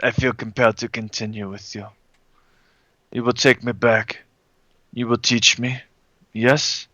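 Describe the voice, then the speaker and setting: A man voicing a solemn nonhuman swamp creature in a tabletop game, speaking formally and haltingly without contractions. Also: medium pitch, little pitch movement, pushed and bright, dry recording, lo-fi sound. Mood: solemn, hesitant. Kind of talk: tabletop roleplay in character.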